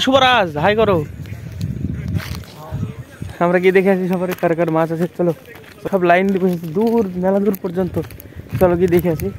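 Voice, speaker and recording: A man's voice: high voice, darkish tone, slight background noise. A man chatting casually to the camera while walking outdoors by a river. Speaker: vlogger. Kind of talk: casual outdoor vlog narration.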